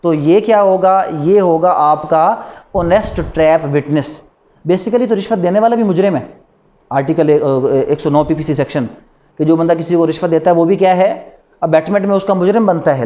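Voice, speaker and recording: A Pakistani man with a fairly high voice gives a law lecture in a classroom, speaking at a moderate pace with a dark tone. He teaches didactically, repeatedly asking short questions and answering them himself.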